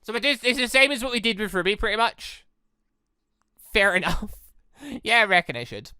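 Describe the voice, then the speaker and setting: A man giving chatty, excitable, rambling commentary as he plays a visual novel. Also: high voice, a little fast, clean tone, no room sound, clean studio sound. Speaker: gaming video host.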